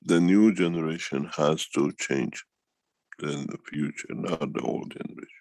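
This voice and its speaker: A man giving an unscripted answer in a meeting, halting yet emphatic, often repeating phrases for weight. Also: rumbling low, steady tone, darkish tone, no echo. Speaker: foundation speaker answering questions. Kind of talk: unscripted talk, answering a question in an online meeting.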